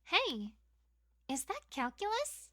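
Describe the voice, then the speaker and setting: A woman voicing a polite, clever young pony character in an amateur fan fiction reading, recorded quietly. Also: very high voice, wildly swooping pitch, slow, full character voice. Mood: matter-of-fact. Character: bright, polite young adult female pony turned roommate.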